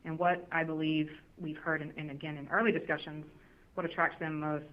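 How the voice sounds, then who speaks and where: A woman's voice: sits low, flat delivery, fairly quick. A female executive gives an emphatic, unscripted business answer over a slightly muffled conference line. She repeats phrases as she builds each point. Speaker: company executive. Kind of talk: earnings call answer, unscripted. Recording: dull conference phone line.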